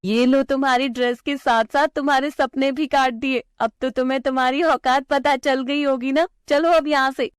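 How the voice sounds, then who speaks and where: A woman's voice: high-pitched, steady tone, moderate pace, hardly any pauses, no room sound, studio quality, pitched above the performer's own voice, lightly acted. A woman voicing a mean schoolgirl bully who taunts and sneers. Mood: taunting.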